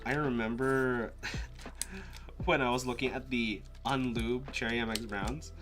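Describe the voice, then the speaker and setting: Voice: mid-range voice, measured pace, fairly bright tone, faint music behind. A live streamer casually thinking aloud, muttering to themself with restarts and sudden exclamations. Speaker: live streamer testing keyboards.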